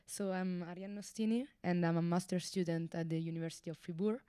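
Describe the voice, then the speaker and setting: A woman's voice: lowish voice, fairly even intonation, quick pace, mellow, smooth, no room sound, studio quality. A young woman from Ticino whose first language is Italian, presenting her master's research on a panel in an earnest way, often restarting her phrases. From Ticino, Switzerland.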